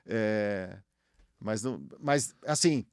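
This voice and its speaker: A man's voice: on the low side, expressive, extremely slow. A middle-aged Argentine man with a Brazilian Portuguese accent, a former tennis player guesting on an interview show, talking in a slangy, rambling way with frequent restarts. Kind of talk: casual interview chat.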